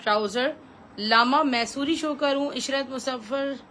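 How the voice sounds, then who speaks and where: A woman with a Pakistani accent giving a chatty, repetitive live sales pitch as a clothing seller, mixing in English phrases. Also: unhurried, bright, forceful tone, a little hiss or hum.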